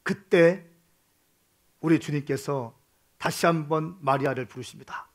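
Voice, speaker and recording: Passionate guy preaching, kinda high voice, goes loud then hushed, lots of amens. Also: a little slow. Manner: impassioned, swings from shouting to soft hushed tones; repeats phrases for emphasis, calls for amens. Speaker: pastor. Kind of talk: sermon.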